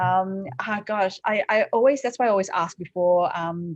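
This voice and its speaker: A woman with an Australian accent at a fairly slow pace. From Australia, Sydney. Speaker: e-commerce sales coach. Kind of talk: interview storytelling.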